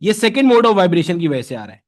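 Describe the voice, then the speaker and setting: A man's voice: high-pitched, big pitch swings, moderate pace. A man teaching a physics lecture, asking questions and answering them himself in a conversational way. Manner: conversational, answers his own questions in students' voices. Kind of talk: classroom lecture.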